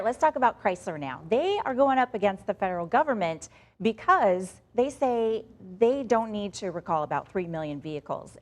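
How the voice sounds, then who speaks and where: An American woman anchoring morning news in a TV studio, switching between news reading and chatty, conversational delivery. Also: medium pitch. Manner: chatty, conversational, teasing asides. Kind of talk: broadcast news reading with playful co-anchor banter.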